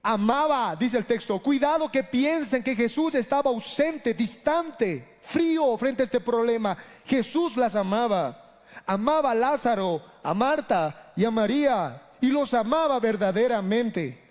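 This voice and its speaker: A middle-aged male pastor preaching an impassioned sermon, dropping low and quiet for emphasis. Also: animated, a little slow. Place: church hall. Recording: long hall reverb.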